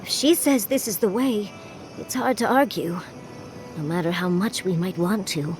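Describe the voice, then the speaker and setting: An actress voices a spirited, wry woman adventuring in a video game. Her voice is medium in pitch, with music playing underneath. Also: moderate pace, lightly acted. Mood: reluctant.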